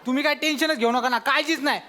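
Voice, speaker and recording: A man's voice: very high voice, racing, sharp tone. An actor playing a flustered aide who keeps soothing and coaxing his boss in a stage comedy sketch.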